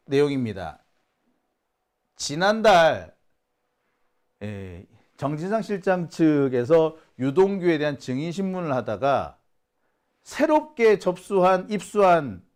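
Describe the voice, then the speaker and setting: A middle-aged man delivers heated political commentary in a casual, talkative way. His voice sits a little high for a man and swings widely in pitch as he acts out the people he quotes. He keeps firing off rhetorical questions in an indignant tone. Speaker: journalist host of a political channel.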